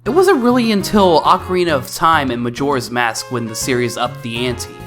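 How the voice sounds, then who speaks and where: A man hosts a casual game review in an informal, slightly sweary way. His pitch moves around a lot, and music plays clearly behind him. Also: animated, fairly quick. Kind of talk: casual video commentary.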